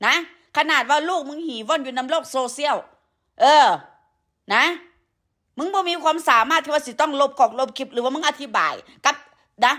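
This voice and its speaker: This woman livestreamer, speaking with an Isan Thai accent, rants crudely at her followers and scolds them at length, her throat sore from a cold. Her voice is high and fairly bright, at a normal speed. The talk is heavy with profanity and packed with fillers.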